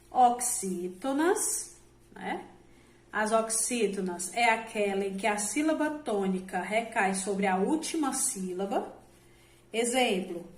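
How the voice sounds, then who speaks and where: A woman's voice: a little high, reverberant. A woman teaching a recorded grammar lesson to adult learners, explaining patiently and often checking in with "né?". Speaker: Portuguese teacher.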